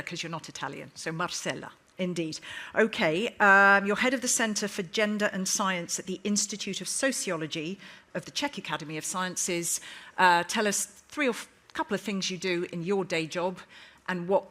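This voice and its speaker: A woman's voice: on the low side, sharp tone. A woman moderating a live conference panel in a chatty, emphatic, bantering way, addressing guests and audience informally.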